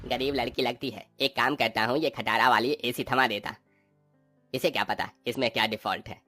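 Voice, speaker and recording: A man voicing a sly, cheating junk dealer in a cartoon, smooth-talking and scheming. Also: medium pitch, steady tone, normal speed, pushed and bright, faint music behind. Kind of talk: cartoon voice acting.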